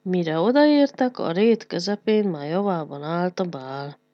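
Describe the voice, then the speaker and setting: A woman narrating a children's storybook in a lively, expressive reading voice. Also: on the low side, no room sound, lo-fi sound.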